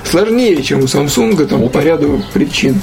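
A man's voice: on the high side, animated, normal speed, creaky, a loud crowd. A man talking casually about tech in a colloquial, slangy and opinionated way, as a guest in a conversation.

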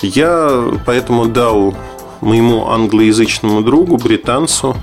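A man's voice: mid-range voice, unhurried, faint music behind. A man giving an informal spoken tech review in a matter-of-fact, skeptical, explanatory manner. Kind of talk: informal spoken product review, loosely scripted.

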